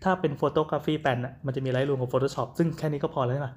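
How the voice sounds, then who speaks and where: ผู้ชายคุยแบบเป็นกันเองในพอดแคสต์ เล่าเรื่องยาวๆ อย่างไม่รีบร้อน หยุดคิดเป็นช่วงๆ ระดับเสียงไม่สูงไม่ต่ำ. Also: male voice, medium pitch, steady tone, a little mellow. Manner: rambling, many fillers, mixes in English words; slow, halting storytelling. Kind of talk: casual chat.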